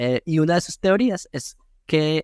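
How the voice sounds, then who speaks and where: The man's voice sits at a fairly high pitch. The sound is dry and close, with no echo. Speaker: Israeli soldier and religious content creator. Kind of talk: podcast interview. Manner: hesitant, many fillers.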